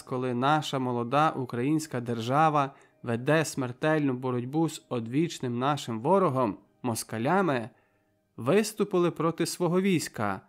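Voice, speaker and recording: A man's voice: mid-range voice, close to an everyday voice. A man voicing a fiery young soldier prisoner. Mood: urgent warning. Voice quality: sharp, impassioned. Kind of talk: audiobook character voice.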